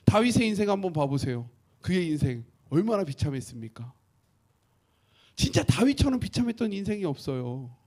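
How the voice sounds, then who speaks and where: A male pastor preaching a sermon, asking the congregation questions and acting out quotes in an animated way. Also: very high-pitched.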